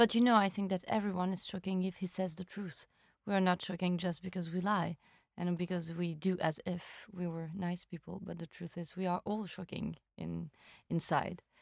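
A woman's medium-pitched voice with a French accent, at a moderate pace, with fairly even intonation and a dry, close sound free of echo. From Morocco. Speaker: author. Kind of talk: casual chat.

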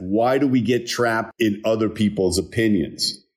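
A man talks in a plain, everyday voice. He keeps a moderate pace with ordinary pitch variation. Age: 60s. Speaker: author and business advisor. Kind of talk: interview.

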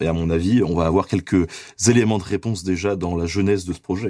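Delivered at a very fast pace with fairly even intonation, the speech sits in a very clean recording with a silent background. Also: man. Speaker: history podcast host. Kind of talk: casual interview.

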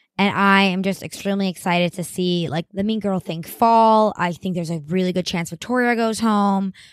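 A woman with an American accent talks at a medium pitch and a fairly quick pace, with hardly any pauses. It is a normal speaking voice, with fairly even intonation. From US South, Miami, Florida. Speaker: podcast co-host. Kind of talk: casual chat. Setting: video call.

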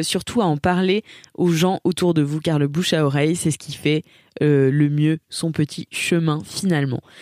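A woman speaks at a fairly slow pace with a very deep, low pitch. The recording is very clean with a silent background, dry and close with no echo. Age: 20s. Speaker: film recommendation podcaster. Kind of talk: casual monologue review. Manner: hesitant, many fillers.

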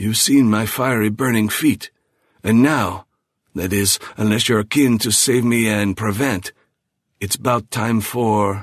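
Putting on a character voice, a man speaks at a fairly slow pace in a medium pitch that sounds wheezy. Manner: piteous, pleading.

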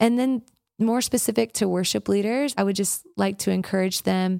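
Speaking in an ordinary speaking voice with an American accent, a woman of medium pitch keeps a moderate pace in a dry, close sound with no echo and a very clean recording with a silent background. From US South, Memphis, Tennessee. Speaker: worship pastor. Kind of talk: casual chat. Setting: live recording at summer camp.

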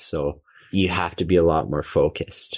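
In a very clean recording with a silent background, a man with a Canadian accent and a very deep, low pitch talks at a fairly slow pace. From Calgary, Alberta, Canada. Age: 20s. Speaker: ski area caretaker and skier. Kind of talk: casual interview. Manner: hesitant, many fillers.

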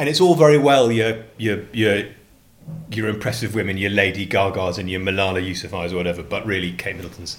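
Speaking with a British accent, a man moves at a fairly quick pace with lively intonation. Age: 50s. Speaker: podcast host. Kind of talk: casual banter chat.

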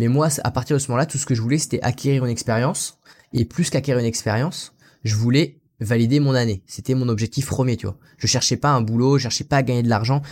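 A man at a very fast pace, his intonation fairly even. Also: medium pitch for a man. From France. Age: 20s. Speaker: teacher. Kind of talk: casual interview.

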